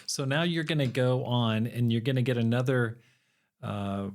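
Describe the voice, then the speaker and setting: A man's voice: mid-range voice, normal speed. Interviewing man, brief friendly interjections. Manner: friendly, reactive, interjecting short comments. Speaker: podcast host. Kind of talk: conversational interview.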